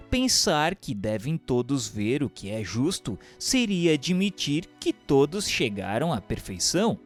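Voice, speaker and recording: A man with a Brazilian accent reading a doctrinal book aloud as a narrator, in a formal, measured, didactic way. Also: a little high. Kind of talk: scripted audiobook narration of a doctrinal text.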